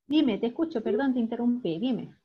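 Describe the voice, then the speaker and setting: A woman teacher with a Chilean accent giving an online class, praising her students warmly and explaining patiently. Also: on the high side, brisk, breathy edge. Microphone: video call. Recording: dull lo-fi video call audio.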